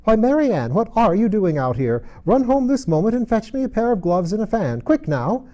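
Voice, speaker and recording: A man's voice: high-pitched, sing-song, fairly quick, mellow, voice pushed up. A man voicing a fretful, bossy male white rabbit in a storybook, agitated and exclamatory. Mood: angry, bossy. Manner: agitated, exclamatory muttering and scolding.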